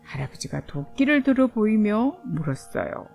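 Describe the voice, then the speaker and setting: A woman's voice: medium pitch, big pitch swings, moderate pace, gravelly, a little mellow, soft background music. A woman storyteller narrating a bedtime storybook, reading expressively and simply as if to a toddler.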